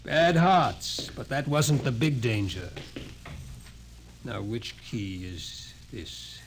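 A man's voice: medium pitch, sing-song, slow pace. A man playing a grave, insistent doctor in a 1950s radio drama, lecturing emphatically with an ominous air. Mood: intense, knowing. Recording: noisy old 1950s radio recording.

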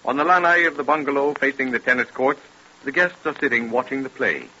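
A man's voice: medium pitch, lively intonation, a little fast, pushed and bright, dull audio. An actor playing a solemn narrator of 1930s radio mystery tales, formal and theatrical in his declamation. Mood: solemn, dramatic. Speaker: announcer and narrator. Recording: scratchy band-limited 1930s radio recording.

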